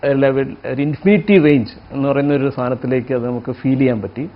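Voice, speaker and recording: A man speaks off the cuff in an interview. His mid-pitched voice comes in quick bursts with halting searches for words, on a dull recording. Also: fairly even intonation. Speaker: painter being interviewed. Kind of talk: spontaneous interview talk. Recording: muffled, low-fidelity interview audio.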